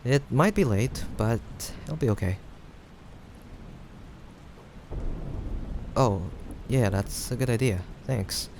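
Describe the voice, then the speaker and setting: A young man playing a playful, caring friend in a casual improvised audio roleplay, teasing yet reassuring, with hesitant pauses. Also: medium pitch, expressive. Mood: warm, reassuring. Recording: faint background noise, rain ambience. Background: rain sound effects.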